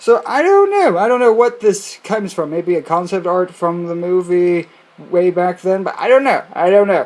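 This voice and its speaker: Speech at a medium pace comes through noticeable background noise. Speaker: toy reviewer. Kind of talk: product review. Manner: stutters.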